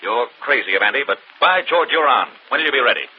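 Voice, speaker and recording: A jovial, fatherly police inspector, played by a man, talks quickly and chuckles often. The sound is thin and tinny, like an old radio broadcast. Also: medium pitch, lively intonation, a little hiss or hum, natural voice.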